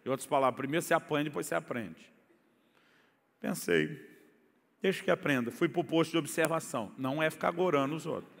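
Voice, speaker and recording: Brazilian pastor, middle-aged man, comic sermon story, high-pitched, lively delivery, echoey church hall. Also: quick pace, creaky. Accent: Brazilian Portuguese. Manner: animated, swings from quiet asides to near-shouting.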